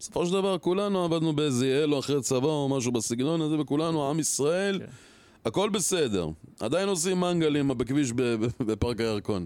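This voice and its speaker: In an ordinary speaking voice, a man with a fairly high pitch talks at a moderate pace with lively intonation and very even loudness. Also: very clean recording, silent background. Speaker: actor. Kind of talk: casual chat. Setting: studio.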